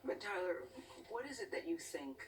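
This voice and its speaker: A woman's voice: fairly low pitch, big pitch swings, moderate pace. Woman TV interviewer, chatty and polished. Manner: conversational, mixes scripted report lines with chatty questions. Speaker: TV interviewer and correspondent. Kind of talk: broadcast interview and report. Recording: distant mic with faint ambient noise.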